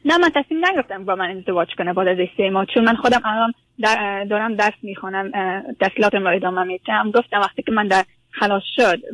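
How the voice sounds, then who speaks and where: Female caller, mid pitch, dry sound, halting speech. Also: a bit bright, no room sound, low-quality recording. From Afghanistan. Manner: hesitant, many fillers, mixes in English words.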